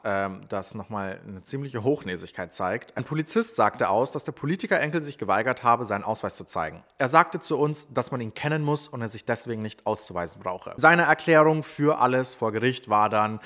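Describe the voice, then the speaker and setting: A man's voice: mid-range voice, fairly bright tone. A young man doing casual news commentary, chatty and sarcastic, with many fillers. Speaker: commentary YouTuber.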